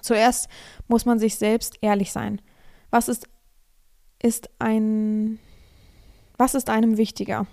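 Hoarse woman podcast host, fairly high but warm, mellow voice, frank and direct, reads a letter aloud. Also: little pitch movement, slow, pauses often. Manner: frank, advising listeners directly. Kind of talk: casual podcast monologue, reading a listener's letter aloud.

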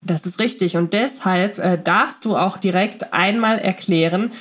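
A woman hosting a podcast in a conversational moderating style. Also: mid-range voice. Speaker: podcast host.

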